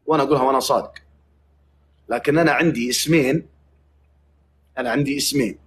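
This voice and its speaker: A livestream host with a Saudi accent chats casually, trading jokes and mock threats. His voice is medium-pitched, with a little hiss or hum in the background.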